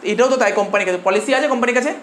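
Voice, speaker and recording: Fast-talking Bengali teacher, echoey classroom. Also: male voice, very high voice, a bit bright. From India. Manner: repetitive, questioning students. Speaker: commerce teacher. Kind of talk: classroom lecture. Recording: echoey room with faint noise.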